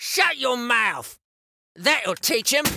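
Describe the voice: This is a put-on character voice, fairly high in pitch, with a Cockney accent as part of the act.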